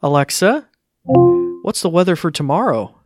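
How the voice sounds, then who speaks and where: A man's voice: on the high side, very animated, moderate pace, no room sound, clean studio sound, faint music behind. A man giving a casual live tech demo, informal and hesitant, easily amused. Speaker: tech demonstrator.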